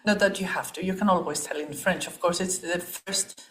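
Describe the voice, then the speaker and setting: A woman's voice: fairly low pitch, steady tone, moderate pace, fairly bright tone. A woman interviewing a guest as podcast host, in a casual conversational style.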